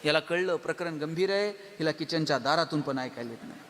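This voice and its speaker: A man giving an animated motivational stage speech, telling humorous stories and speaking straight to the audience. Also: fairly high pitch, brisk. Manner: animated, addresses the audience directly. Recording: long hall reverb with faint music.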